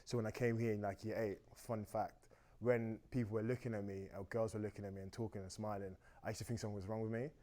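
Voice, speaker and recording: On a dating show, this young native German speaker from Austria rambles through a casual date conversation in a talkative, reflective way. He speaks fast in a dark, level tone that sits on the low side.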